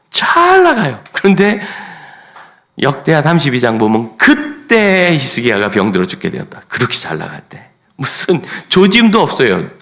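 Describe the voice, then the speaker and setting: A man's voice: on the low side, gravelly, a bit bright. A male pastor preaching a sermon emphatically, repeating key words and dropping to near-whispers.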